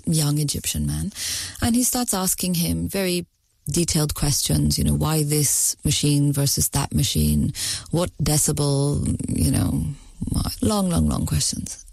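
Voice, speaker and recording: Low, gravelly-voiced woman recounting her past. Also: a little mellow, no room sound. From Middle East. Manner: measured, thoughtful storytelling with pauses. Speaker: interview guest. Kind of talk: reflective personal account.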